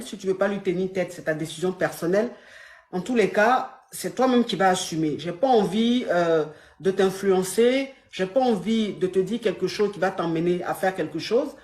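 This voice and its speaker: A woman's voice: mid-range voice, a little mellow, roomy sound. A woman coach giving advice on a call, firm and repetitive, addressing the caller affectionately. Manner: firm, repeats herself, calls caller "my dear". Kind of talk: phone-in advice.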